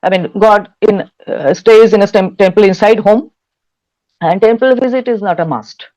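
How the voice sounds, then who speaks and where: Here the interview guest, a writer who researches folktales, has a mellow, medium-pitched voice and talks at a normal speed. She's a woman from West Bengal with a Bengali Indian accent who often hunts for words as she explains, captured on dull, lo-fi audio.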